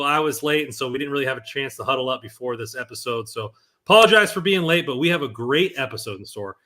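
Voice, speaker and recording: A man hosting a live hockey podcast, talking in an energetic, hype-building, casual way. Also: medium pitch. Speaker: podcast host.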